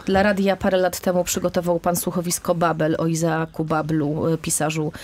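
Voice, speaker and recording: A woman's voice: lowish voice, completely flat delivery, brisk, a little mellow. A woman in her thirties hosting a radio interview, feeling her way hesitantly through long questions. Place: radio studio. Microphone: studio mic, headphones.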